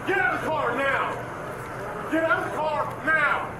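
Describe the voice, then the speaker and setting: A man, a police officer, giving forceful shouted commands. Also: extremely high pitch, expressive, measured pace. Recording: noisy distant outdoor footage, echoey.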